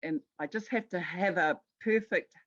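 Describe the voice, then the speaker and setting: A woman's voice: lowish voice, moderate pace, lo-fi sound. A woman with a New Zealand accent gives an educational talk, speaking conversationally, telling stories and repeating words for emphasis. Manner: conversational, storytelling, emphatic with repetition. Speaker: guest speaker at a Māori health conference.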